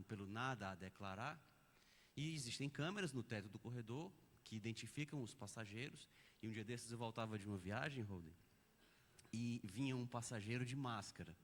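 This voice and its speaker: A man with a Brazilian Portuguese accent giving an academic lecture at a conference, explaining ideas step by step with examples. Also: on the low side. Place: conference auditorium. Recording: long reverb of a lecture hall.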